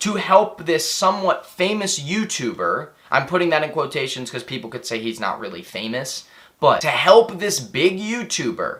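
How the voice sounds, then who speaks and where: Against noticeable background noise, a man with a high voice talks at a moderate pace with lively intonation. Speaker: YouTube commentator. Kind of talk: commentary video. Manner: stuttering.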